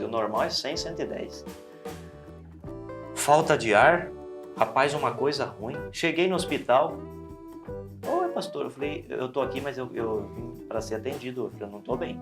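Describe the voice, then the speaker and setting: A Brazilian man, a pastor, telling stories in a casual podcast chat and acting out the voices of the people in them. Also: mid-range voice. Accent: Brazilian Portuguese. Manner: animated, acts out voices in his stories. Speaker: pastor, guest.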